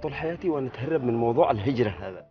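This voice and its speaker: An actor playing a weary, resigned husband with a husky voice and a Yemeni accent. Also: male voice, mid-range voice, lively intonation, racing, muffled recording, soft background music, lightly acted. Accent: Yemeni Arabic. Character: weary husband forced to emigrate. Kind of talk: TV drama acting.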